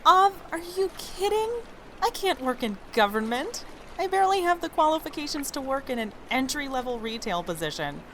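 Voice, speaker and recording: A woman's voice: high voice, sing-song, moderate pace, a little hiss or hum. A woman playing a feisty, blunt young woman, a protective best friend with a casual, sassy way of talking, in an audio drama. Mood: self-deprecating, frank.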